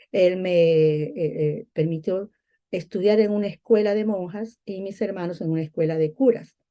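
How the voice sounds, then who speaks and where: A woman's voice: lowish voice, mellow. A middle-aged woman from Peru giving a personal religious testimony conversationally, often repeating herself as she searches for words.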